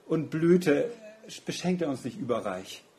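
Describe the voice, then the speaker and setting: Earnest male preacher, fairly high voice. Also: sing-song, unhurried, dark tone, a little hiss or hum. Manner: earnest, reflective, asks rhetorical questions. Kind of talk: sermon.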